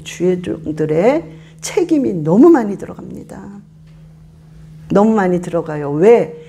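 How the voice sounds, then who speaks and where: A woman's voice: medium pitch, a little hiss or hum. A woman pastor preaching a sermon to her congregation, emphatic and repetitive, often acting out the voices of churchgoers. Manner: animated, acts out congregants' voices; emphatic, repeats commands.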